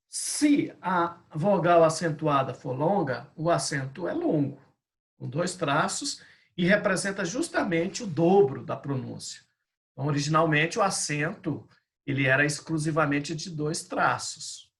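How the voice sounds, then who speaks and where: A middle-aged man teaches a language lesson in a gravelly voice. He pitches it slightly high and explains patiently, restating each point. He talks like a pastor guiding a class. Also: a bit bright.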